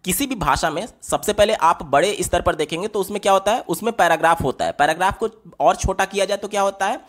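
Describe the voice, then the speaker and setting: Male tutor, fairly high voice, patient step-by-step exam-paper explainer who checks in with "theek hai?". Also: quick pace. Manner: explains step by step, asks and answers his own questions, repeats "theek hai?"; writes on a board while explaining. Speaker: teacher solving exam papers.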